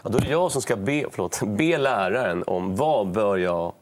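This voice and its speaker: Earnest low-voiced man on a panel. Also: animated. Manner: agreeable, frequent affirmations, earnest. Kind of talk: studio panel discussion. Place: bright TV studio, round table.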